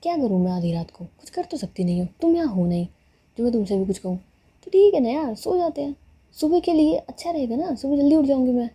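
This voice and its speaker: Grumpy, sleepy young woman on a late phone call, a husky, mellow voice, as a female storyteller puts her on. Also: high voice, animated, fairly quick. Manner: irritated, drowsy complaining.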